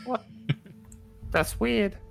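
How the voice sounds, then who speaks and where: A woman's voice: a little high, extremely slow, vocal fry, soft background music. A woman playing a tabletop role-playing game, chatting casually in character.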